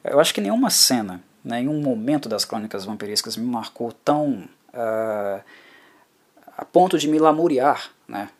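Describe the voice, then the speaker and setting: A man's voice: medium pitch, expressive, moderate pace, darkish tone. A man hosting a book club podcast, giving a reflective and heartfelt solo analysis of a novel. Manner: reflective, heartfelt, often tags phrases with a questioning filler. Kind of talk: solo literary analysis monologue.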